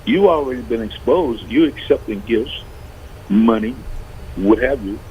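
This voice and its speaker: A man on a radio talk show panel, asking questions in measured, deliberate phrases. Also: medium pitch, lively intonation, darkish tone, slight background noise, rough recording.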